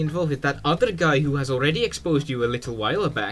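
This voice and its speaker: Lively intonation from a man at a very fast pace, with music in the background. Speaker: YouTuber. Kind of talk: drama commentary script read.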